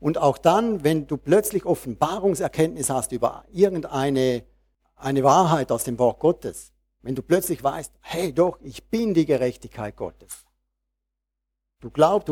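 A man preaching a sermon, reading Bible verses slowly and then speaking freely and directly to his congregation. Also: on the high side, expressive, darkish tone, husky.

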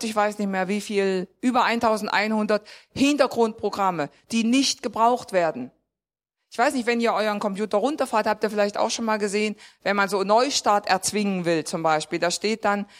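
A woman preaching a sermon in a conversational way, asking her listeners questions directly and rising to emphatic points. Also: mid-range voice.

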